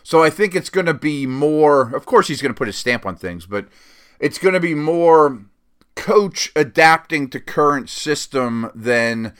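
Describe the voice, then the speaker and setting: A man's voice: a little high, animated, measured pace, fairly bright tone, clear, resonant tone. A stuffed-up man hosting a casual football podcast on his own, talking in a loose, rambling way full of fillers and self-corrections. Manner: rambling, lots of fillers and restarts. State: sniffly, stuffed up. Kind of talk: casual solo sports commentary.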